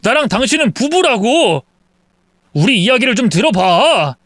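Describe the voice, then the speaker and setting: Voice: mid-range voice, sing-song, moderate pace, fairly bright tone, dry recording. A performer voicing a husband from a family of thieves who pleads with his wife in a wheedling way. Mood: pleading.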